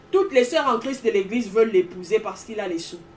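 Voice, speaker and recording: Somewhat breathy and animated in tone, a woman speaks at a fairly high pitch and a fairly quick pace with lively intonation. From Gabon. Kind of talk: sermon-style commentary.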